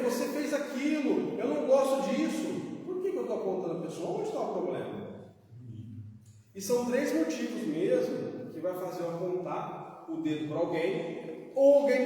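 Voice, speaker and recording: A man with a high voice gives a spiritist lecture and keeps questioning his listeners as he goes. He sounds far from the microphone, in a large hall with a long, ringing reverb. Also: a little mellow. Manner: conversational, asks the audience questions.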